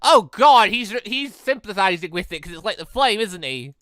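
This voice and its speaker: A gaming host reading a visual novel aloud, stumbling over lines and breaking off into casual, excitable asides. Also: mid-range voice, normal speed, no room sound, clean studio sound.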